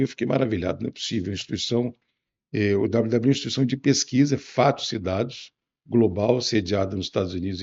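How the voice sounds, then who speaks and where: A man in his seventies from Bahia, Brazil, with a Bahian accent, answering interview questions in a musing, unhurried way with restarts. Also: medium pitch, creaky, a little mellow, breathy edge, lo-fi sound. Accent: Bahian Brazilian Portuguese. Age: 70s. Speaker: interview guest.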